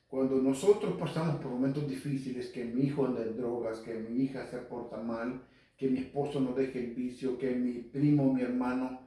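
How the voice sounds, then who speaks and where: A man's voice: medium pitch, mellow. Echoey far-off male preacher. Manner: addresses listeners by name, quotes scripture. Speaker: lay Catholic preacher. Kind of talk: Spanish-language Bible teaching.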